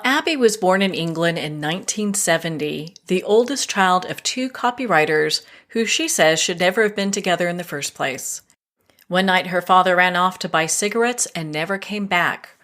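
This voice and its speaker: A woman's voice: on the low side, moderate pace, fairly bright tone. A woman hosting a talk show, introducing and interviewing a guest in an upbeat manner and laughing easily.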